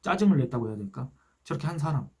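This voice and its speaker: A man's voice: medium pitch, animated, very fast, a little mellow, husky. A man giving a solo political commentary, earnestly asking rhetorical questions and reading out online comments.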